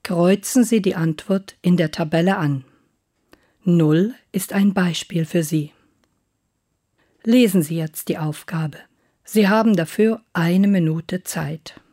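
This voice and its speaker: Woman reading test instructions super slow, dark low voice, very formal. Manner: measured and formal. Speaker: exam announcer.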